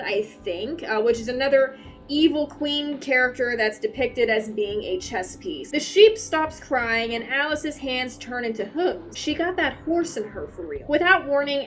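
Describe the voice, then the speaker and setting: Higher-voiced woman, irreverent commentary over music. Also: a bit bright. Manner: irreverent, sweary, self-deprecating, jokey. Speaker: YouTuber host. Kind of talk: casual video commentary and recap. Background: background music.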